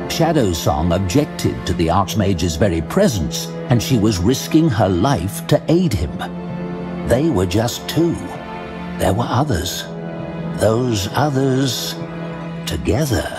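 A man narrating a fantasy tale in a measured, theatrical storytelling manner with pauses. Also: fairly low pitch. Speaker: audiobook narrator. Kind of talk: dramatic scripted fantasy narration. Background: music.

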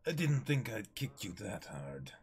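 A man's voice: fairly low pitch, sing-song, measured pace, slightly rough. A man in his twenties co-reading a manga dramatically, with casual asides. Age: 20s. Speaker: co-reader of a manga. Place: small indoor room in front of a backdrop.

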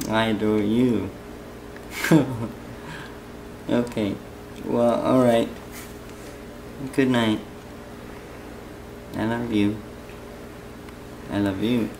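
A man saying soft, affectionate goodnights on a phone call. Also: on the low side, fairly even intonation, extremely slow, vocal fry, long pauses, slight background noise.

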